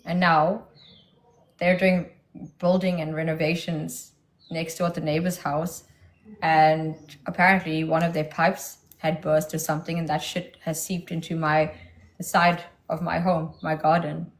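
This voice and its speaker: A woman's voice: low-pitched, level tone, a little slow. A woman hosting a casual livestream, answering a caller with defiant, mocking comebacks. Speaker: livestream host.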